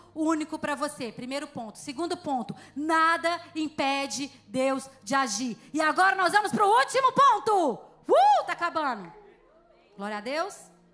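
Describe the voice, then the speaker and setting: With a Minas Gerais accent, a woman speaks in a high, animated voice with very wide pitch swings at a fairly slow pace over noticeable background noise. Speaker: preacher. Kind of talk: sermon.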